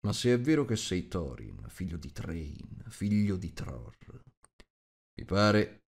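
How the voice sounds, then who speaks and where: A man voicing a gruff, rude, huge shape-changer who growls and talks bluntly. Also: low voice, big pitch swings, slow pace, full character voice.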